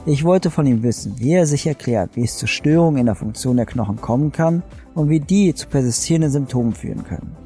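A young adult man with a mellow, dark-toned voice hosts a podcast, calm and measured. He reads his introduction and then asks his guest questions, with faint music behind him. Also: mid-range voice. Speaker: podcast host and osteopath. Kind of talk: read podcast intro and interviewing.

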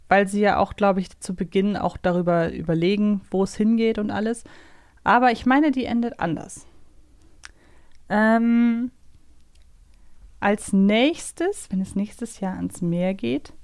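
A woman's voice: medium pitch, a little mellow, no echo, studio quality. A woman hosting a podcast, chatting casually as she plays a quiz with a co-host. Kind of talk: casual chat.

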